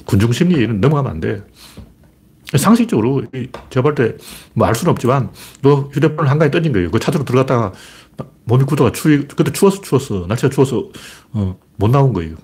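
A man delivers a casual monologue of commentary in a husky, slightly rough voice. He talks fast and bluntly. His pitch jumps around a lot as he fires rhetorical questions. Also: expressive, darkish tone. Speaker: political commentator.

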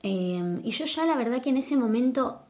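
A woman talking casually as an interviewee, relaxed and chatty with frequent fillers. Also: a little high, moderate pace. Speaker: interviewee, dancer. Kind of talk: casual conversation.

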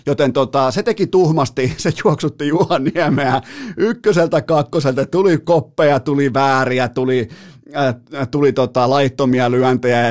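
A man in a mid-range voice hosts a casual sports podcast. He tells match anecdotes in a rambling, animated way, full of fillers and quick laughs. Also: mid-range voice.

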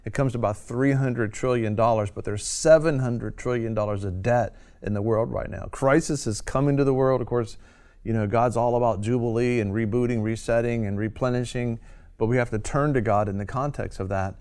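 A man's voice: mid-range voice, fairly quick, darkish tone, clear, resonant tone. Earnest man hosting a talk show. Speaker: host.

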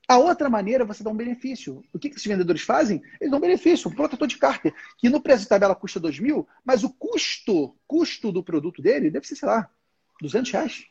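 A man's voice: very high-pitched, sing-song, fast talker, vocal fry, a little mellow, slightly rough, dull audio. A man hosting a live stream, teaching in a casual, informal way and talking straight to his viewers, acting out bits of salesman dialogue along the way. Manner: informal, addresses the audience directly, acts out salesman dialogue. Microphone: headset.

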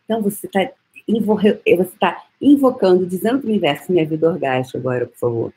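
A woman with a Brazilian Portuguese accent hosting a motivational live-stream talk, energetic and coaxing, fond of repeating phrases like a mantra. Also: on the low side, fast. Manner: speaks intimately to the listener. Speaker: host.

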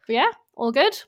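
A woman hosting a casual chat, bubbly and laughing often. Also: high-pitched. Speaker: podcast host.

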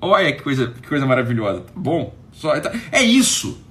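A man's voice: medium pitch, very animated, moderate pace, fairly bright tone. A man with a Brazilian accent hosting a live stream, talking casually and emphatically, swearing often and asking again and again if you get it.

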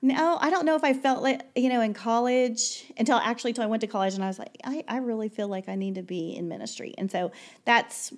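A woman in her forties, a podcast guest, talking in a loud, sassy, chatty way and laughing easily. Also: on the high side, fast. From Oklahoma. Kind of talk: casual chat.

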